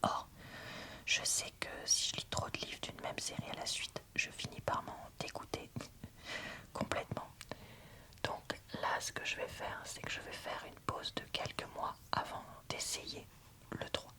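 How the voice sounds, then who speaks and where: A woman whispering an ASMR book review in a soft, breathy, informal and slightly hesitant way. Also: measured pace.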